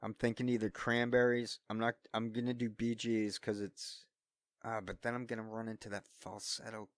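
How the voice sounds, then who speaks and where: Recorded in studio quality with a studio-quality microphone and no echo, this solo vlogger has a fairly low voice with little pitch movement and a normal speed. Scratchy from singing, he thinks aloud and pokes fun at himself in unscripted rambling between attempts at singing.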